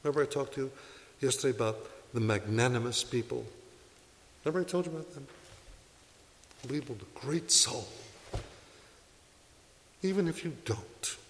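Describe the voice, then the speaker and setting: A man's voice: mid-range voice, normal speed, long pauses, big-room sound, slight background noise. A man, a Catholic priest, giving an earnest sermon, exhorting his listeners and asking them rhetorical questions. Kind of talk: sermon to a congregation.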